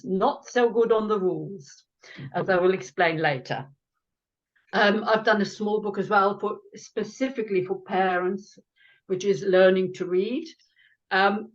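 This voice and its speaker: Older woman, Lithuanian native speaker, mid-pitched, earnest explainer with wry asides, muffled lo-fi sound. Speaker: author and guest. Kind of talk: conversational explanation.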